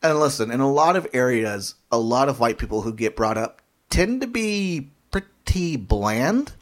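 Lively joking male podcast co-host. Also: mid-range voice. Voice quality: joking, quick asides. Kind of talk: casual chat.

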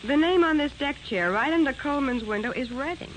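An actress playing an alert, loyal detective's assistant in a 1940s radio drama, perky, casual and inquisitive. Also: female voice, high-pitched, animated, brisk. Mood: curious, helpful. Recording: hissy old radio recording.

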